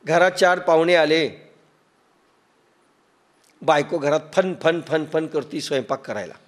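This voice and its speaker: A man with a Marathi accent gives a sermon in a fairly high voice. He tells stories, acts out quotes and uses everyday examples to make his point, and chants scripture verses slowly. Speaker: spiritual teacher.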